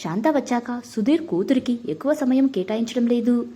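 A woman narrating a family drama in a steady, measured storybook reading. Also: fairly high pitch, slightly rough.

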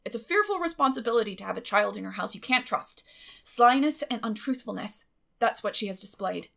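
A woman's voice: a little high, expressive, brisk, creaky. Woman playing a stern, strict farm woman. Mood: troubled. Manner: sharp, grim, clipped scolding.

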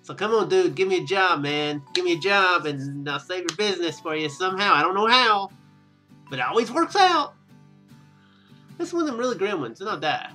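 A man's voice: sits high, lively intonation, fairly quick, sharp tone, soft background music. A man hosting a let's play with casual, rambling, joking commentary.

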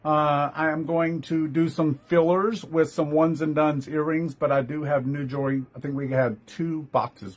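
A man's voice: medium pitch, husky. A man hosting a casual live-stream jewelry sale, chatty and upbeat, greeting viewers by name as he shows each piece.

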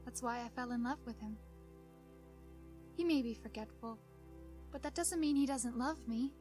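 A woman plays a sentimental cartoon pony wife with a fairly high voice. She confides dramatically, as in a fan audio drama, exasperated yet adoring, with music playing behind her. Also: moderate pace, a little mellow, natural voice. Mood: tender, smitten.

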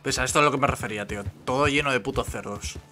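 Young male streamer, Madrid accent, bright tone, casual and halting on a headset, faint game music behind. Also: medium pitch. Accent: Madrid Spanish. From Spain. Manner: relaxed, halting, with frequent fillers. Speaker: gameplay streamer. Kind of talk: casual co-op gaming chat.

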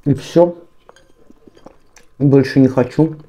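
A woman's voice: extremely low pitch, fairly even intonation, slow pace, dark tone. A woman vlogger talking while chewing food, chatting casually and homely with her viewers as she eats. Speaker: mukbang vlogger. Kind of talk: casual chat while eating on camera.

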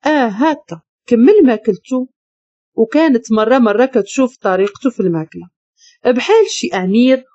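A woman with a Moroccan Arabic accent narrating a dramatic story in an expressive, emotional way. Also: fairly high pitch, a little fast, dry recording, dull audio.

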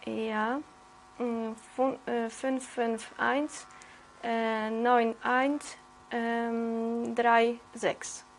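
A woman's voice: on the high side, level tone, drawn-out words, slight background noise. A woman in her twenties from Poland, answering exam questions hesitantly with many fillers and restarts. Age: 20s. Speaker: exam candidate. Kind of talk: spoken language exam answers. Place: indoor room.

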